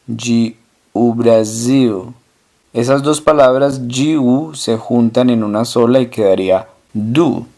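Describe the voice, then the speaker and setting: A man teaching a language lesson, asking questions and then answering them himself, slowly repeating each example word. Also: mid-range voice, dark tone.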